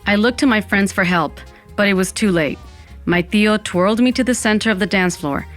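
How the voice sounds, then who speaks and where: A woman's voice: mid-range voice, brisk, faint music behind, natural voice. A woman playing a wry Latina narrator who tells her own story in an audio fiction podcast. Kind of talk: scripted first-person narration.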